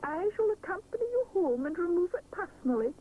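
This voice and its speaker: A woman's voice: very high-pitched, sing-song, fairly quick, phone-quality sound, slight background noise, voice pushed up. A woman voicing a cheery, formal male cake chef in a children's story. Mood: delighted. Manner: jolly, formal, delighted.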